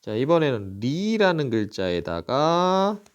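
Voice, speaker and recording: A middle-aged male teacher giving a recorded lesson, patiently asking questions and then answering them himself, repeating each syllable slowly and clearly. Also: medium pitch, big pitch swings, highs cut off. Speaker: Japanese teacher.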